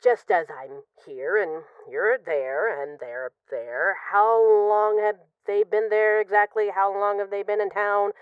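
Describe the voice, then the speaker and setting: A woman's voice: medium pitch, clean tone, no room sound, narrow, tinny audio, natural voice. A woman playing a possessive, lovesick mafia boss in an intimate, conversational audio roleplay of voicemails. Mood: hesitant, jealous. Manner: conversational, teasing, halting when emotional.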